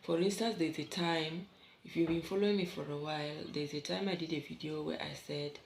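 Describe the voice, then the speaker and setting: Kenyan woman vlogger, gravelly, casual and rambling, recorded in an echoey room. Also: sits low, steady tone, brisk. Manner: chatty, rambling asides to viewers. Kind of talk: casual vlog chat. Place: bedroom at home. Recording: echoey room, faint background hum.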